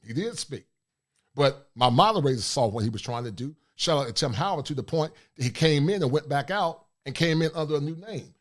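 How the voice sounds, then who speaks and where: A middle-aged man with a deep voice, hosting a livestream talk show, speaking forcefully and reading shout-outs from the chat. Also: lively intonation, fairly quick. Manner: forceful, preachy, reads chat aloud. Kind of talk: casual livestream monologue.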